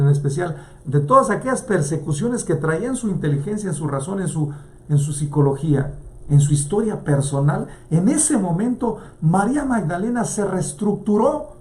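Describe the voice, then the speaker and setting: A man's voice: sits high, warm tone. A male priest preaching a sermon with passion, his voice rising and dropping as he quotes scripture. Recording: echoey room.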